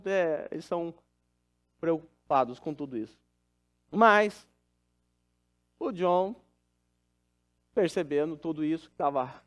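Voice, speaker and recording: Man, pastor, sermon, conversational, earnest, high voice.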